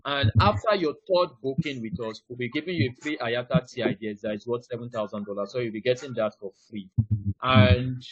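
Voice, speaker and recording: A man's voice: medium pitch, brisk, no room sound. A man running a live online ticketing class over a video call. He walks through each step, keeps saying "now", and quizzes the listeners. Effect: heard over a video call. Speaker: ticketing trainer. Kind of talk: live online training presentation. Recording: dull, dry video-call audio.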